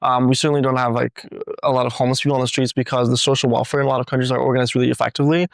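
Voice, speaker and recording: A young man from the Netherlands, a student guest in a casual interview, talking quickly with many fillers. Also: medium pitch, flat delivery, gravelly, no room sound, clean studio sound. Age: young adult.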